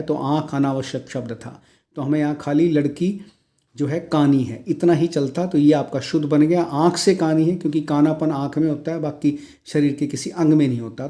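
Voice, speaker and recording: A male teacher giving an exam-prep grammar lesson, reading each sentence slowly and then explaining the correction. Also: a little high, mellow. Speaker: Hindi teacher.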